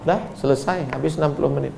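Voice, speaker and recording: A man's voice: on the high side, quick pace, vocal fry, dark tone. A man preaching a sermon, telling stories dramatically with humorous asides and acting out the voices of the people he quotes.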